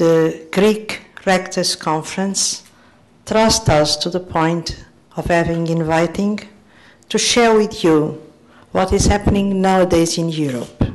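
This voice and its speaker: With audible room echo, a woman in a Portuguese accent talks at a very slow pace with ordinary pitch variation. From Portugal. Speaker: university association president. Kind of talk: conference speech.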